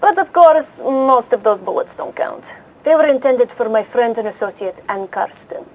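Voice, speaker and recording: A woman playing a haughty, mysterious White Russian spy in a comic mock interview, deadpan and imperious. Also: fairly high pitch, moderate pace, low-quality recording. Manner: deadpan, imperious, easily offended. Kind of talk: scripted mock interview in pulp-fiction style. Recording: clear background noise.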